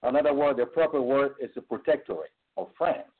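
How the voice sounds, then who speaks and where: A man from Ivory Coast with an Ivorian accent speaks as a guest, explaining history in a halting, measured way. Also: medium pitch, slightly rough. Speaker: guest on a call-in show. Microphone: phone call. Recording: tinny phone line.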